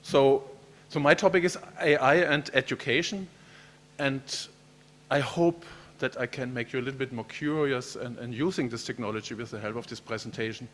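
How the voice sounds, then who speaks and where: A man's voice: mid-range voice, normal speed, a bit bright, a little hiss or hum. A man, a professor giving a keynote lecture in a friendly, chatty way, often repeating words as he speaks. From Germany.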